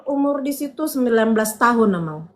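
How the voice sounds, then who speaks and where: A woman's voice: a little high, lively intonation, a little fast, over a noisy crowd. A woman, giving a casual spoken testimony as a podcast guest and acting out quoted dialogue as she tells her story.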